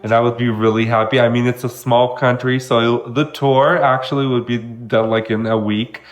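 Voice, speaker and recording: A man's voice: mid-range voice, flat delivery, normal speed. Rambling young man from Kosovo. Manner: friendly, rambling, heavy on like. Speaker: podcast co-host. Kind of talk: casual chat.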